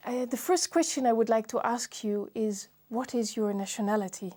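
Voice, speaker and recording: A woman hosting an interview, reading a formal introduction and asking measured questions. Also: fairly high pitch, a little mellow. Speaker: host.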